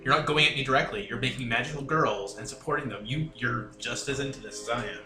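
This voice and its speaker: A man's voice: mid-range voice, fast talker. A man playing a tabletop game, chatting and bantering casually with the table. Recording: roomy echo with music behind.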